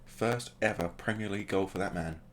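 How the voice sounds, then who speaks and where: This gaming channel host has a low voice and speaks fairly quickly, narrating the action live in a relaxed way with jokes on the side. A bit of hiss or hum is audible.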